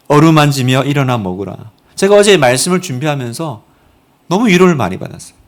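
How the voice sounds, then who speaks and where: A middle-aged man preaching a sermon as pastor in a church, expressive, moving between hushed and emphatic delivery. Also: mid-range voice. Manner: expressive, acts out voices and quotes with sudden loud and soft swings. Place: church sanctuary.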